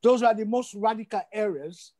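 An older man from Sierra Leone joins a video call interview as a guest from an indoor room at home. He speaks emphatically, repeating phrases for stress, in a high-pitched, dark-toned voice at a moderate pace.

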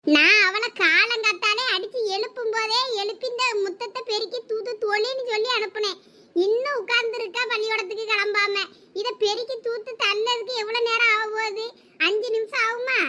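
Her very high-pitched voice holds a fairly even intonation as she plays a scolding village mother in a comedy skit. The woman has a Thoothukudi Tamil accent and nags her daughter relentlessly with quick, sharp remarks.

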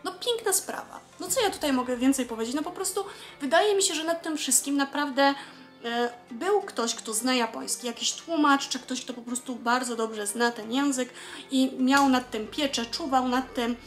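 A young woman with a high voice chats her way through a casual vlog explanation. She sounds lively and talkative and fills her pauses with little hesitation sounds. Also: soft background music. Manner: chatty, lively, many filler sounds. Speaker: vlogger explaining Japanese.

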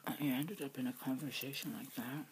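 A middle-aged woman telling a rambling story in a soft whisper while she eats between sentences. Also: very deep voice, fairly even intonation, brisk, slight background noise, low-quality recording. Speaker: vlogger.

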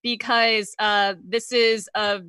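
A woman's voice: mid-range voice, little pitch movement, slow pace, bright, forceful tone, no room sound, studio quality. A woman hosting a virtual comedy show over a video call, giggly and self-deprecating, with plenty of fillers. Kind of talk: casual comedy show banter.

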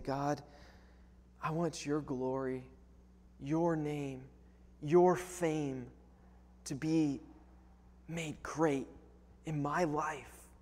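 A man's voice: fairly high pitch, a little mellow. A man in his thirties preaching a sermon earnestly, often restarting and repeating words as he goes. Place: large wooden-panelled church, indoors. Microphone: clip-on lapel microphone. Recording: long church hall reverb.

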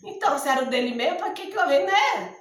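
Hoarse high-voiced cearense woman. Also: expressive, fast talker, fairly bright tone. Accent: northeastern Brazilian, Ceará. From Ceará, northeast Brazil. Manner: joking, chatty, laughs often. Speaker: vlogger. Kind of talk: casual chat to camera. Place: small room indoors at home. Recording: echoey room.

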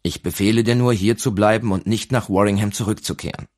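A man reading the part of a grave, kindly abbot in an audiobook, speaking in a gentle, measured, solemn way. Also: on the low side, fairly even intonation, lightly acted. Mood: firm.

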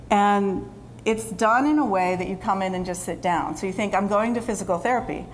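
A woman's voice: on the low side, a little hiss or hum. A woman in her forties, a physical therapist, giving a conversational conference talk from a stage, with fillers and quoted asides. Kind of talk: conference lecture.

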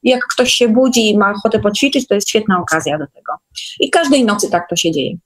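A woman's voice: mid-range voice, brisk. A woman speaking as a guest in a casual online interview, sharing experiences conversationally. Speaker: guest recounting course experiences. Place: online call.

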